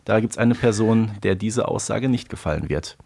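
A man in his thirties co-hosting a podcast in casual chat, measured and wry. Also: lowish voice, animated, creaky, a little mellow. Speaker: podcast co-host.

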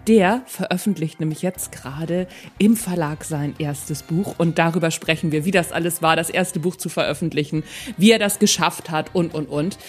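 A woman with a low voice speaks at a moderate pace over soft background music. She's a podcast host and interviewer chatting informally, addressing her guest and listeners directly during a casual interview and the podcast outro.

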